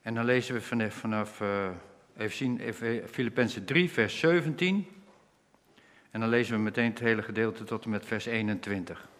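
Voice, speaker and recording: A man preaching a sermon, earnestly explaining Bible verses and slowing down when he quotes scripture. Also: lowish voice, fairly bright tone, in a large hall.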